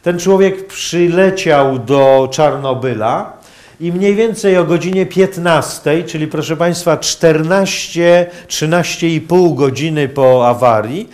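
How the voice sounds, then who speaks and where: A man giving a public lecture in a halting, hesitant manner with long pauses. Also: on the high side, a little mellow. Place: university lecture hall, indoors.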